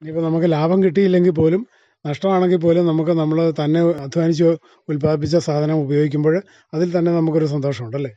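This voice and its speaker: A man's voice: on the high side, fairly even intonation, fast talker, mellow, dry recording. A man, asking questions as a radio interviewer. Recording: dull, muffled radio recording.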